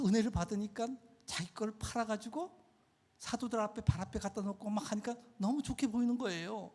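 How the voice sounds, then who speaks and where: A male pastor preaches in a church with a lively, animated delivery, swinging widely in pitch as he builds his points. His voice sits a little higher than most men's. He tells stories and acts out the voices of the people in them. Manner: storytelling preacher acting out quoted voices. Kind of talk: sermon. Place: church sanctuary.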